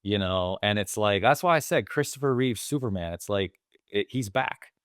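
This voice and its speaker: A man's voice: on the low side, expressive, normal speed, fairly bright tone, clear, resonant tone, no echo, clean studio sound. A man co-hosting a movie podcast, eagerly retelling film scenes at length in casual chat. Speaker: podcast co-host.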